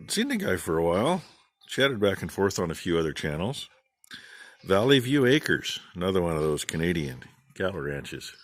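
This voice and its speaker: Folksy middle-aged farmer man, deep voice, dry close sound, casual rambling chat. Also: no echo. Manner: folksy, rambling, plain-spoken. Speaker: farm channel vlogger. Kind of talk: casual rambling shout-outs.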